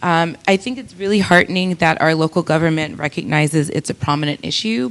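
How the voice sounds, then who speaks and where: A woman's voice: low-pitched, a bit bright. A woman speaking on a community panel, earnest and searching for words with many fillers and restarts. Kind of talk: panel discussion remarks.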